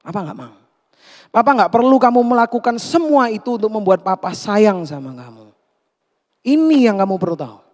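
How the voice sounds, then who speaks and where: A man voicing a gentle, loving father who speaks softly and tenderly. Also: high-pitched, very animated, moderate pace, voice pushed up. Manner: soft, hushed, tender. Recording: long hall reverb.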